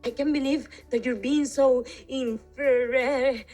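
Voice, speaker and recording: An actress playing an excitable, outspoken Spanish-speaking woman in a sitcom, talking loudly and exclaiming as she teases. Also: sits high, takes it slowly, faint music behind. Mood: exasperated. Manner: loud, exclamatory, teasing. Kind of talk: sitcom dialogue.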